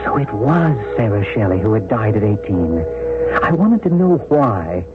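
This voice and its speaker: An actor playing a polite, inquisitive jeweler who also narrates a 1970s radio drama in a courteous, measured way. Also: male voice, on the low side, sing-song, over loud music. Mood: reflective. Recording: tinny old radio broadcast with hiss.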